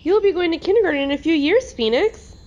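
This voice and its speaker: High, lilting mother pony played by a woman. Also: animated, fast talker, darkish tone, highs cut off. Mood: reassuring. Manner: motherly, encouraging. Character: caring, playful mother pony. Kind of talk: amateur cartoon voice acting.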